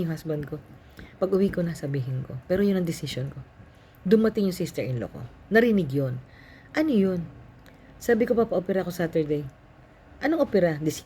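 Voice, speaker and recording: Calm older Filipino woman telling her story. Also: low voice, slight background noise. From Philippines. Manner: calm, matter-of-fact, acts out dialogue. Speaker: cancer survivor sharing her story. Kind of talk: personal testimony, storytelling.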